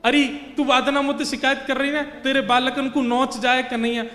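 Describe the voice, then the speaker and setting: A very old, blind mother, as a male storyteller puts her on, scolds and pleads in a rustic village dialect. The voice sits very high for a man and rings through an echoey hall, with faint music underneath. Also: little pitch movement, moderate pace, a bit bright. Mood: pleading.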